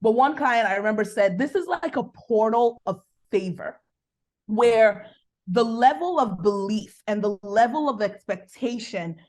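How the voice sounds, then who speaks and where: A woman with a Nigerian accent, a business coach talking as a podcast guest, animated and preacherly with quick bursts. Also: a little high. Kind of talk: faith-based coaching conversation.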